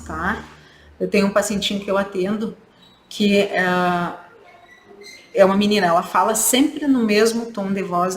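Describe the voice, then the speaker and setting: A woman's voice: mid-range voice, slight background noise. A woman clinician giving a training lecture, explaining points and checking in with tag questions. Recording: echoey room with faint ambience.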